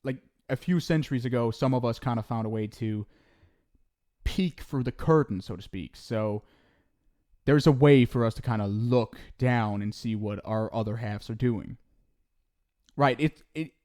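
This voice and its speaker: A man's voice: mid-range voice, animated, normal speed, a little mellow, close to an everyday voice. A man playing an affectionate, centuries-old ghost soulmate in an intimate ASMR roleplay, speaking casually and hesitantly. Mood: casual explaining. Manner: casual, hesitant, tender, reassuring.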